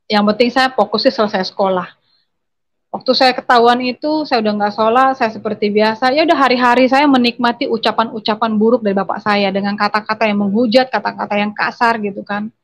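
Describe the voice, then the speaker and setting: A woman giving an earnest personal testimony over a video call, speaking straight to her listeners. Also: a little high. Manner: earnest, addresses listeners as brothers and sisters.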